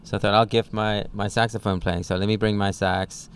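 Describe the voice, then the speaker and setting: A man with a very low voice explains his school in long, run-on sentences, keeping his pitch flat. It is relaxed podcast talk. Faint noise sits underneath. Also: a little fast. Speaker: co-founder of a music school. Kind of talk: casual podcast chat.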